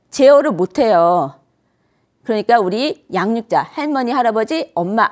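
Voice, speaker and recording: A middle-aged woman giving an earnest parenting lecture to grandparents, asking the audience questions and answering them herself. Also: on the high side.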